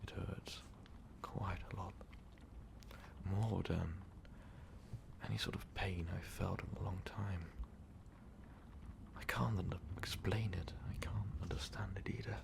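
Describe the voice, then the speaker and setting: A man playing a lovestruck, remorseful vampire overlord in an ASMR roleplay, speaking in a halting, breathy, confessional way. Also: steady tone, noisy background, exaggerated voice. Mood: pained, resigned. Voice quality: breathy, whispery, gravelly low voice. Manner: halting, slow, confessional, formal wording. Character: tormented, lovestruck male vampire overlord, remorseful ruthless conqueror. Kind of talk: ASMR roleplay, intimate monologue to listener.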